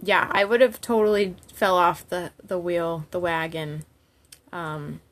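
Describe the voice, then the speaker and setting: A livestream host chats casually with viewers in a lowish, steady, unhurried voice. She is candid and rambling, giggly and informal.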